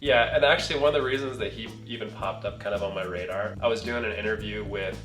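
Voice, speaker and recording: An American man co-hosting a casual chat, relaxed and chatty, laughing easily. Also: lowish voice, fast. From United States. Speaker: co-host. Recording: roomy distant sound with background music.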